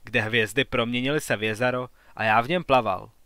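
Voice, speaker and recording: A man narrating a science fiction audiobook story, reading every character's lines in an even, unhurried voice. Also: mid-range voice, no room sound. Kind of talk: scripted narration.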